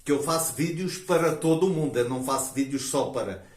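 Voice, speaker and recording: A man's voice: medium pitch, a little fast. A man from Portugal with a European Portuguese accent, hosting a casual how-to demonstration and chatting at length as he works. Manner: chatty, explains at length, frequent "né?" and "ó". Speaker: DIY video host. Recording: echoey room.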